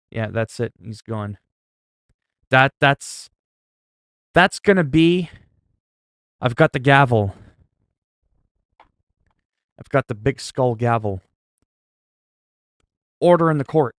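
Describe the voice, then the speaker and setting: Loud, profane mock-stern streamer man. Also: medium pitch, no room sound, studio quality. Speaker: livestream host. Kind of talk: casual livestream chat.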